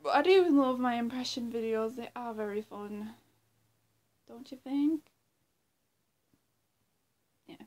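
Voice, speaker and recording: A woman's voice: fairly high pitch, slow pace, pauses often, darkish tone. Chatty young woman vlogging on a webcam. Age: young adult. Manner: chatty, swears, laughs often. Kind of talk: casual vlog chat. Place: small indoor room.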